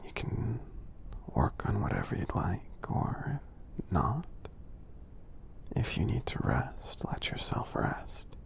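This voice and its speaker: A man voicing a friendly, gentle giant in an ASMR roleplay, tender and encouraging, in a breathy, gravelly whisper with slow, soothing, halting delivery. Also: on the low side, huge pitch swings, full character voice. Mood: relaxed, soothing. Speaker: ASMR performer.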